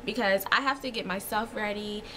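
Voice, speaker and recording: Bright chatty woman in her thirties. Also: mid-range voice, brisk, slight background noise, poor audio. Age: 30s. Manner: chatty, giggly, lots of fillers. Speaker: vlogger. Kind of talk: casual chat answering tag questions. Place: small home room with shelves.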